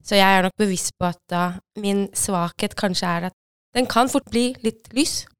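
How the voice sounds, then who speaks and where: A woman guest reflects calmly in a casual conversation. Her voice is smooth and clear, at a middle pitch. The recording is dry and close. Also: dry recording. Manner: reflective, thoughtful. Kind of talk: casual chat.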